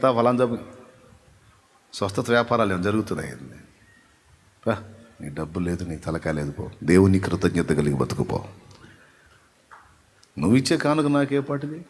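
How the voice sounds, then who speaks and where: Male preacher, mid-range pitch, emphatic and rhythmic, long church reverb. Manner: emphatic preaching, swings between soft and loud repeated phrases. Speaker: pastor. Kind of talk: Sunday sermon. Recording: echoey hall reverb.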